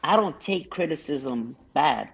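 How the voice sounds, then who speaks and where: A man's voice: fairly high pitch, animated, a little slow, creaky, breathy edge, low-quality recording. A man guesting on an interview show, talking about his music in a rambling way, with many restarts and fillers. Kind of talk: casual interview chat.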